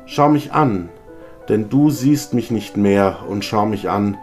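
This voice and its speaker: A man voicing the tormented, chained ghost of an old business partner, speaking gravely and lamenting. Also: on the low side, lively intonation, slow pace, a little mellow, faint music behind. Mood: mournful.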